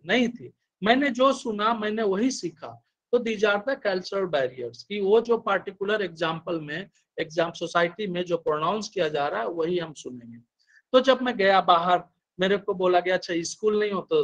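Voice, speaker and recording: A man's voice: sits high, a bit bright, lo-fi sound. A man giving a lecture, mixing Hindi and English and explaining through many examples.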